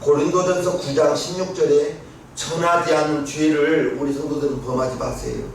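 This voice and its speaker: A pastor preaching a sermon in a church, his voice swinging between loud rises and soft drops as he questions the congregation. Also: fairly high pitch, steady tone, moderate pace, vocal fry. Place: church sanctuary. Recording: very echoey church room, heard from a distance, faint hiss.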